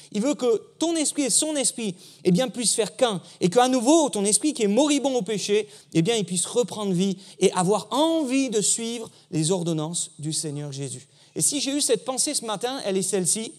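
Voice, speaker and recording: A man's voice: high-pitched, expressive, moderate pace, few pauses, a little mellow. A man giving a sermon as guest preacher in a church, talking conversationally and engaging the congregation.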